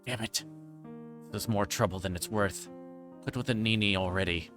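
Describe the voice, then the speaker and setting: A man voicing a violent, greedy, foul-mouthed male thug with a gruff, menacing manner in a visual novel read-aloud. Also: on the low side, moderate pace, over music, lightly acted. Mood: angry irritation.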